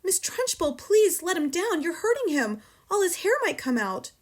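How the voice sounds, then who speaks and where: Woman doing a kind young teacher, soft voice, begging. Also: on the high side, animated, fast, breathy edge, voice pushed up. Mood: pleading. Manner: soft, pleading.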